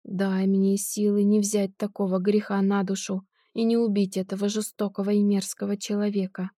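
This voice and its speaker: A woman voicing an elderly gentleman who is quick to anger and indignant, often crying out in an audiobook. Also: mid-range voice, level tone, no echo, studio quality, lightly acted. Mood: outraged. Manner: shouting, indignant.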